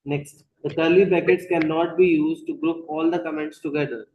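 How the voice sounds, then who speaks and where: A man's voice: fairly high pitch, steady tone, moderate pace, phone-quality sound, a little hiss or hum. A man with a South Asian accent teaching an interactive online lesson, prompting pupils with short questions and switching between English and Hindi. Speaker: teacher leading an online class.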